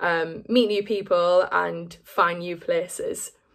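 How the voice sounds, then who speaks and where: A woman speaks with a Teesside accent. The background is quiet. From Teesside, North East England. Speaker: musical theatre actor. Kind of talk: educational talk to camera. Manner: casual, chatty. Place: home room. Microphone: webcam.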